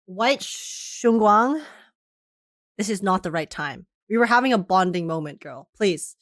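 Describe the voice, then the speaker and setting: A woman reacting casually to a game on stream, giggly and excitable, with slang and swearing. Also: mid-range voice, a little slow, no echo, clean studio sound. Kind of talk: casual gaming reaction commentary.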